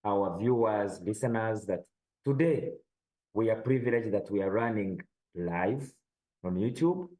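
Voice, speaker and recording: A man's voice: on the low side, dark tone, low-quality recording. Man hosting a news panel. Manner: brisk, moderating. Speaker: host.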